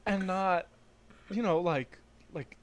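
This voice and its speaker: On a podcast she co-hosts, a young woman with a lowish voice chats unhurriedly, laughing often as she tells stories. There is background noise in the recording.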